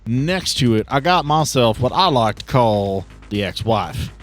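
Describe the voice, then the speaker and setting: A man's voice: mid-range voice, very animated, measured pace, soft background music. A man playing a folksy, crude and wary backwoods arms dealer with an American Southern drawl in a tabletop game. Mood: sly, boastful. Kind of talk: improvised tabletop role-play.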